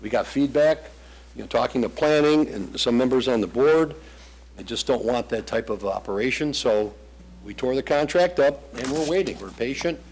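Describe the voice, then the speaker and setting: A man's voice: mid-range voice, moderate pace, a little mellow, slight background noise, poor audio. A man presenting as a property developer at a township planning meeting, casual and rambling.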